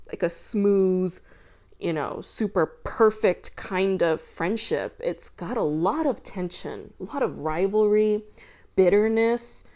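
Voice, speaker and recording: A woman hosting a podcast, talking loudly and casually with lots of fillers. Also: mid-range voice. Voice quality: loud voice. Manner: chatty, filler-heavy with frequent "like" and swearing. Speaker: podcast host. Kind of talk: casual commentary monologue.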